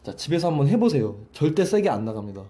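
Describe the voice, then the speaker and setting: His voice is mellow and fairly high, and he talks fast with lots of animation. As a vocal coach in a lesson, he uses a hose to illustrate breath pressure, often beginning phrases again or saying them twice.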